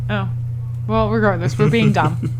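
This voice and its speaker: A woman's voice: medium pitch, steady tone, measured pace. A woman co-hosting a podcast, bantering in a brash, sweary, exclamatory and casual comedic way. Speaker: podcast co-host. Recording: noisy recording with hum.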